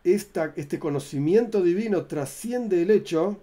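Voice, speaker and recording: Man with a mellow voice teaching a class. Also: sits high, expressive, a little slow. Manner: explanatory, repeats and rephrases terms, frequent self-corrections. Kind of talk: religious class lecture.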